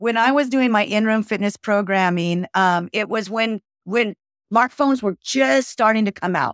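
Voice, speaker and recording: A woman with an American accent has an ordinary speaking voice, a fairly high pitch and ordinary pitch variation. The recording is very clean with a silent background and a dry, close sound with no echo. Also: moderate pace. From US West, ranch upbringing. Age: 50s. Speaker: entrepreneur and company founder. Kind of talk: interview.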